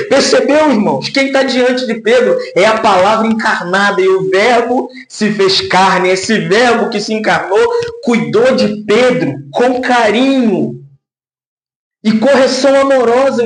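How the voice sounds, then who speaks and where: A man preaching a lively sermon, acting out quoted voices and laughing often. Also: reverberant. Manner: says of himself he speaks in a deep, gruff way. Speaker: pastor.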